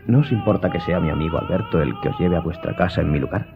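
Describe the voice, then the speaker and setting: A courteous, determined young gentleman in a radio play. His voice is deep and his phrasing formal and earnest. The sound is a little muffled. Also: expressive, fast talker. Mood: curious, resolute. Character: Franz, resolute, courteous young gentleman, intensely curious. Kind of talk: radio drama acting. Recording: dull recording with background music.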